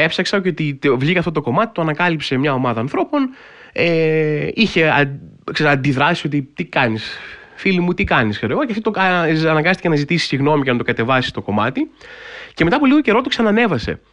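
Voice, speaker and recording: Telling a story with wry, incredulous humor, a man hosts a casual podcast in a voice that's a bit high for a man and rises and falls widely as he gets carried away. His animated delivery is full of filler phrases and loose asides.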